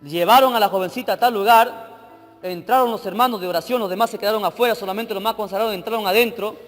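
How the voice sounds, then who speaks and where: Male preacher, high voice, dramatic storytelling, loud and hushed turns, long church reverb, soft music. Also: fast talker. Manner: dramatic, swinging between loud emphasis and hushed narration. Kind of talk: sermon storytelling.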